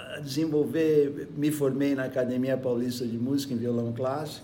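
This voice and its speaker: In a room with audible echo, a man with a fairly high pitch speaks at a moderate pace. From Brazil, São Paulo. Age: 60s. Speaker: guitarist. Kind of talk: interview. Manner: halting.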